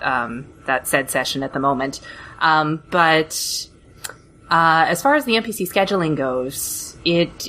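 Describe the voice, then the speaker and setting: Deep, bright-voiced woman panelist. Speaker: podcast panelist. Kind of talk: casual discussion. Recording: slightly noisy hobby podcast.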